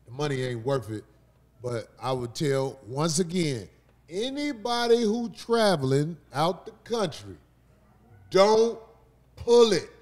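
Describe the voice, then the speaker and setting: A man hosting a studio talk show, joking loudly and profanely with his co-hosts. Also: a little high, slow pace. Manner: profane, loud joking, animated. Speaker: podcast host. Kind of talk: crude comedic banter. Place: studio around a table.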